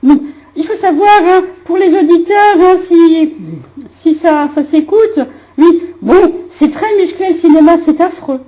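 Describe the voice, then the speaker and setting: A woman's voice: very high voice, measured pace, warm tone, rough recording. A woman playing a film director in a comedy sketch, chatty and giggly, full of fillers. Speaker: comic playing a film director at a sound test.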